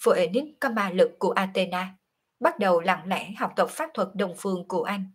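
A woman reading a calm, confiding young woman. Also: medium pitch, moderate pace, husky, lightly acted. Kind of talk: audiobook character reading.

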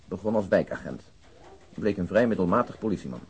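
An actor playing a dryly precise police detective in a radio drama, reporting in a factual manner. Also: male voice, deep voice, expressive, fairly quick, creaky, slight background noise. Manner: dry, factual. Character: matter-of-fact male detective, dryly precise.

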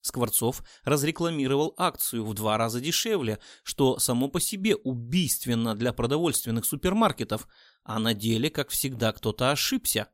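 A man narrating an audiobook in an expressive, dramatic way. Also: mid-range voice, moderate pace, no echo, clean studio sound. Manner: dramatic, varied reading.

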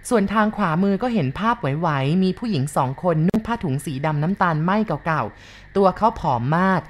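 A middle-aged woman with a fairly low voice tells a ghost story. She speaks to her listeners politely, slow and measured, building the eerie scene step by step. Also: expressive, slight background noise.

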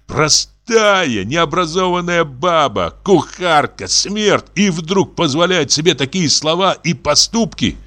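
A man's voice: lively intonation, takes it slowly, hardly any pauses, pushed and bright. A man reading a classic story aloud in a theatrical way, pushing his voice up and down for emphasis. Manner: theatrical, swinging pitch for emphasis. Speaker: audiobook reader. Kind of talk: expressive literary reading.

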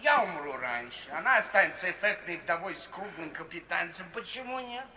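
Coarse, high-voiced blustering baronet. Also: male voice, lively intonation, fairly quick. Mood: pushy, cynical. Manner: blustering, pushy. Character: coarse, cynical rich baronet in his late forties. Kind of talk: 1950s Soviet radio play acting. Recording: distant, reverberant 1950s recording with hiss.

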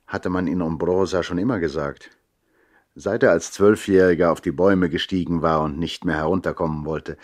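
A reflective brother tells the tale in a 1960s radio drama. His voice is deep and articulate. The delivery is measured and literary, with gentle irony. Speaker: narrator. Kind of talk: literary narration in a 1960s German radio play.

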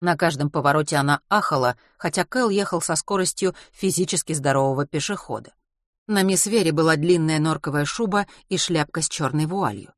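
An audiobook narrator reading a novel in a calm, even manner. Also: medium pitch, fairly quick, no echo, clean studio sound. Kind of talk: scripted narration.

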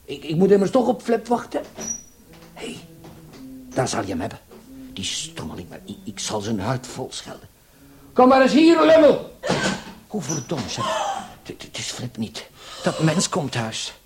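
A man's voice: a little high, wildly swooping pitch, normal speed, long pauses. An actor playing a bumbling, grumbling male burglar in a radio play, stammering and muttering. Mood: indignant. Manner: stammering, muttering, easily sidetracked. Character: bumbling, excitable, grumbling male burglar reporting to his boss. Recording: noisy old radio play recording.

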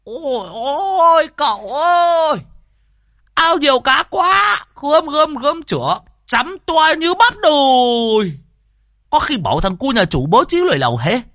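A man voicing a loud, greedy old sorcerer who shouts and boasts in a storybook reading. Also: extremely high pitch, big pitch swings, measured pace, dry recording, clean studio sound, voice pushed up, full character voice. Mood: boisterous.

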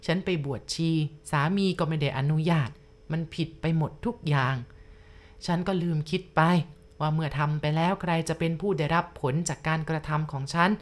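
A woman telling a first-person ghost story at a slow, confiding pace, speaking straight to the listener. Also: sits low.

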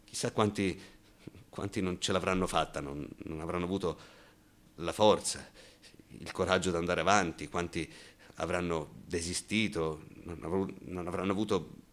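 An actor playing a bitter, wounded gay man in a colloquial, impassioned radio monologue, halting, repeating words and asking sarcastic rhetorical questions. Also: deep voice, steady tone, lightly acted. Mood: indignant, weary. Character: bitter, wounded gay man denouncing macho military cruelty.

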